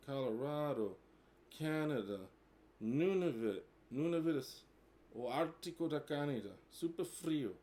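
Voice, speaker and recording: A man's voice: medium pitch, a little mellow. A man in his forties, a native English speaker, talking casually and hesitantly to camera, with many fillers, and switching between Portuguese and English. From United States. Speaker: vlogger. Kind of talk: casual bilingual talk to camera.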